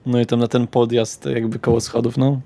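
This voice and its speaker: A man's voice: medium pitch, flat delivery, a little fast, warm tone, natural voice. A man playing a grumpy, blunt underworld acquaintance in a tabletop roleplay, exasperated and foul-mouthed. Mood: bossy, impatient.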